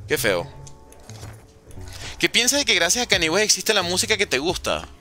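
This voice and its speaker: Bright, lively young man. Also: sits high, normal speed, soft background music. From Venezuela. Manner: joking and sarcastic while reading chat questions. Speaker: gaming streamer. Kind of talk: casual livestream commentary.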